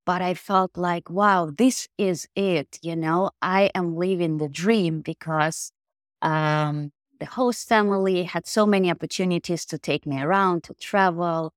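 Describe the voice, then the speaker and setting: Low-voiced woman with Ukrainian accent. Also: unhurried, dry recording, clean studio sound. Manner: thoughtful, with many "you know" fillers. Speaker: podcast guest, mindfulness coach. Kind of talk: casual interview talk.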